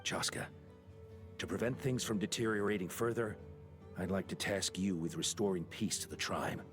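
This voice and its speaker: A man's voice: low voice, moderate pace, music in the background, lightly acted. A man playing a grave, dignified tribal chief in a video game. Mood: grave, concerned. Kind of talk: video game character dialogue.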